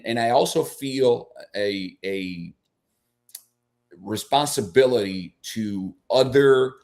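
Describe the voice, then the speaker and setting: Male sports broadcaster, Spanish native, lowish voice, halting casual delivery with lots of restarts. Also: darkish tone. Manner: halting, many restarts and fillers. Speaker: soccer broadcaster, guest. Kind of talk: casual radio chat.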